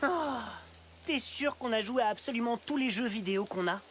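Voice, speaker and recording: A goofy, wide-eyed cartoon sidekick, voiced by a woman, thrilled by every wild idea. The voice is high and boyish. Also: normal speed, slight background noise, lightly acted. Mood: eager. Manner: enthusiastic and easily impressed. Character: goofy, easily excited boy sidekick. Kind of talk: French cartoon dub.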